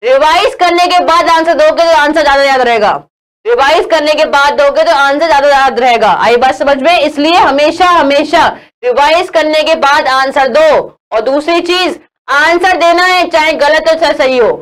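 A woman's voice: sits high, normal speed, low-quality recording. A young woman teaching an online exam-prep class, emphatic, repeating key phrases and quizzing her listeners.

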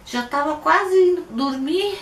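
A woman's voice: high voice, lively intonation, unhurried. A woman speaking as a mother in casual conversation, frightened and pleading. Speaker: vlogger's mother. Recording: roomy and distant with faint noise.

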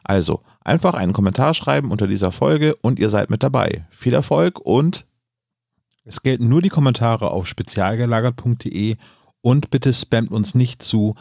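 A man's voice: medium pitch, expressive, normal speed, gravelly, a little mellow, dry recording, studio quality. A man making an informal scripted announcement for a podcast.

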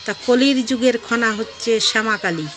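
A woman, talking to her viewers in a vlog. She gives a sharp, preachy rebuke and mixes in devotional chants. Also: on the high side, moderate pace, over music. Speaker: online vlogger. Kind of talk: scolding video monologue.

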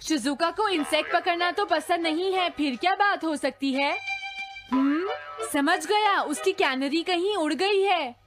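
A woman's voice: extremely high pitch, unhurried. A woman voicing a hapless, dreamy young schoolboy with a childlike manner in a cartoon dub. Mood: pleased, musing. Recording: loud music behind the voice.

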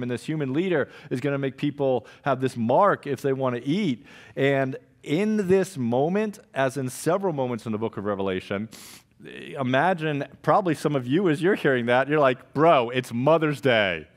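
Animated male pastor preaching on stage. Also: medium pitch, normal speed. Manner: animated storytelling, gestures widely, acts out his own reactions. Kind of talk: sermon. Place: church stage with purple backlit wall.

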